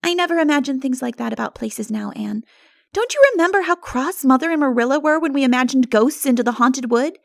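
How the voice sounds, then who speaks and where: A woman voicing a practical, excitable young girl in an animated, emphatic audiobook reading. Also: sits high, brisk, vocal fry, no echo, studio quality, voice pushed up. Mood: practical, firm. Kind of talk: dramatic audiobook character reading.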